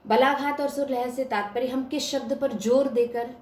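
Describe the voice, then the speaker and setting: A woman's voice: high voice, steady tone, moderate pace. A woman giving an academic lecture, explaining each point and stressing words to show examples. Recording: echoey room with faint hiss.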